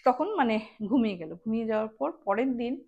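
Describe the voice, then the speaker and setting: A woman storyteller with a fairly high voice and a very quick pace. She tells ghost stories in an informal, chatty way, speaking straight to her listeners as a show host and slipping English words into her sentences. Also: a little mellow, highs cut off.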